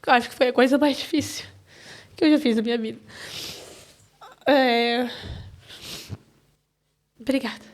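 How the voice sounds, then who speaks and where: A woman from Brazil, a podcast guest, telling a painful personal story in a halting, emotional way with many restarts. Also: on the high side, fairly even intonation.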